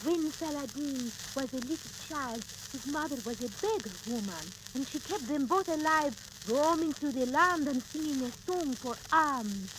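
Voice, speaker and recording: An actress playing a grave, resourceful medieval Muslim queen in a deliberate, theatrical 1930s radio drama style. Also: high voice, lively intonation. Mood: secretive. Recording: crackly, noisy 1930s transcription disc.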